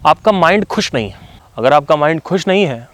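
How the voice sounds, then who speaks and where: A man gives a motivational talk in a slightly higher voice. He keeps it loose and conversational, with plenty of fillers. He drops English phrases into his sentences as he goes. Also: animated, a little fast, a bit bright, no room sound. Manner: conversational, fillers like "you know"; switches between Hindi and English phrases. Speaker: motivational speaker.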